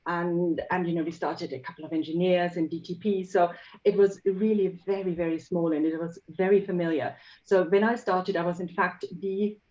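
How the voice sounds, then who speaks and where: A woman's voice: on the low side, fairly even intonation, moderate pace, darkish tone, highs cut off. A woman from Germany, a native German speaker, chatting as a podcast guest about her career in translation technology, with frequent ums. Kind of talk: casual interview chat.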